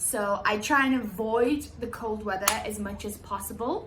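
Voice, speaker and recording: A woman in a northern English accent, fairly high in pitch with ordinary pitch variation, at a fairly slow pace over noticeable background noise. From northern England. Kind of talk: casual answer to an interview question.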